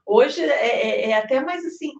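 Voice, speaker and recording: A woman from Brazil, giving an animated spiritist devotional talk. She often ends phrases with a questioning tag and acts out little dialogues. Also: sits high, measured pace, lo-fi sound. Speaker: spiritist speaker. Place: hall in New Jersey. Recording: roomy, mic at a distance.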